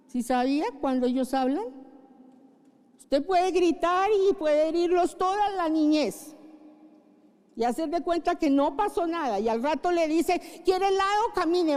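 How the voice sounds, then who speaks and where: A woman's voice: high voice, darkish tone, long reverb tail. A middle-aged woman pastor preaching a sermon, praying fervently and repeating key phrases with emphasis. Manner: fervent prayer, emphatic repetition. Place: church.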